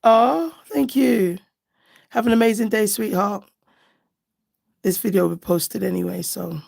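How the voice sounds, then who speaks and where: Husky woman with heavy vocal fry. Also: medium pitch, unhurried, darkish tone. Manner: chatty, affectionate, thinking aloud. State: slightly hoarse from screaming. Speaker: nail art livestream host. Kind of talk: casual live chat while doing nails.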